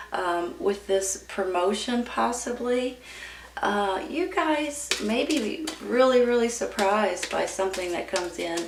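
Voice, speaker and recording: A woman giving a casual tarot reading to viewers in a folksy, encouraging manner. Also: mid-range voice. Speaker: tarot reader. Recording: roomy, distant mic with background noise.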